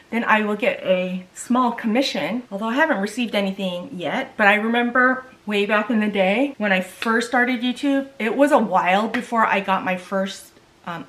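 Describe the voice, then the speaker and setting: A middle-aged woman talks her way through a makeup test in a relaxed, chatty vlog. Korean is her first language, and she often trails off hunting for a word before starting again. Her voice sits at an everyday middle pitch. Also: slight background noise. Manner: chatty, loses words and restarts. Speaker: beauty vlogger. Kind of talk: casual makeup tutorial chat.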